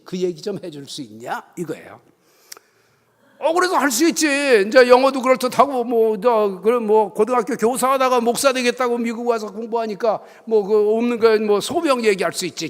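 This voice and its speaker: An older man, a retired pastor, preaching a sermon and telling a story with lively acted-out quotes. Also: high-pitched, big-room sound. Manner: storytelling, acts out quoted voices, rises to shouts. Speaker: pastor emeritus. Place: church sanctuary.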